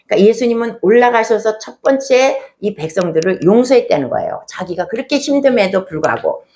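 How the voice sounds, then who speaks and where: A woman's voice: a little high, lively intonation, a little fast, a little mellow. A woman pastor preaching a sermon in a conversational storytelling way, often asking rhetorical questions.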